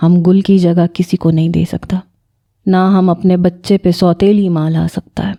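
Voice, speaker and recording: A woman's voice: on the low side, flat delivery, mellow, lightly acted. Woman voicing a stern elder brother. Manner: stern, commanding. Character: stern widowed elder brother, head of household.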